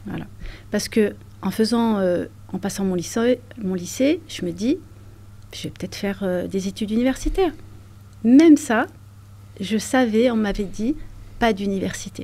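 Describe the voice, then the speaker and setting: A woman's medium-pitched, somewhat breathy voice with a dark, mellow tone, lively intonation, big swings in loudness, a fairly slow pace and long, frequent pauses. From France, Montargis (Loiret). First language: Berber (Kabyle) (speaking French). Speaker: parenting coach. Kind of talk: testimony.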